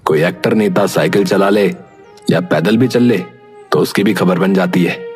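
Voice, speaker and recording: A man playing a troubled, quietly determined young villager in a dramatized story, brooding in manner. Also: low-pitched, moderate pace, natural voice. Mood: bitter, brooding. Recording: music under the voice.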